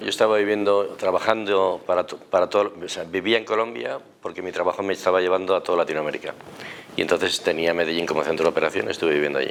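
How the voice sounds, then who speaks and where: A man with a Madrid accent talks at a very fast pace. Background noise is noticeable. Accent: Castilian Spanish (Madrid). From Spain, Madrid. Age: 60s. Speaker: photographer. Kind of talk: testimony. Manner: conversational, with fillers and self-corrections.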